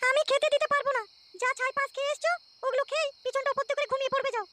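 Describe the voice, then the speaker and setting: A woman voicing a sarcastic, scolding middle-aged wife in a comic cartoon, shrill and nagging. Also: steady tone, very fast, pushed and bright, slight background noise.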